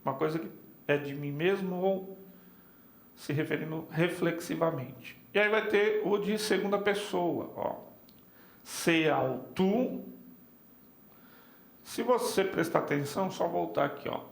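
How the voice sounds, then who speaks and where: A man teaching Biblical Greek in a seminary class, slowly spelling out word forms and checking in with his students. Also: on the high side, vocal fry, echoey room. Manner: slow, spells out forms, frequent "tá?" and "ó". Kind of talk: classroom lecture. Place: church classroom.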